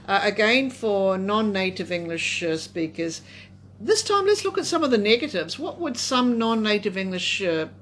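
A woman's voice: mid-range voice, sing-song, normal speed, fairly bright tone, a little hiss or hum. A woman moderating a conversational discussion, putting questions and responding.

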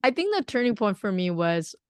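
A woman's voice: mid-range voice, sing-song, fairly quick, a little mellow, clean tone, dry recording. Chatty woman from Singapore, dry sound. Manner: chatty, laughs often, trails off mid-sentence. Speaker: conversation partner. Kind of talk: casual chat.

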